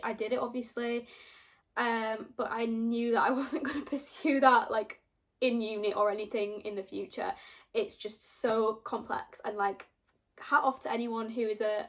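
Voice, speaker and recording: A young woman from Yorkshire with a Yorkshire accent, chatting casually to camera about herself, rambling with lots of fillers. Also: fairly high pitch. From Yorkshire, England. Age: young adult. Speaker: book vlogger.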